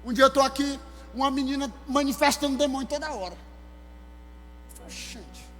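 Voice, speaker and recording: A male pastor with a Maranhão accent, preaching a sermon with animated, exclamatory storytelling. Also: very high-pitched, fairly quick. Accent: Maranhão, Brazil. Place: church sanctuary. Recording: hall reverb with soft music.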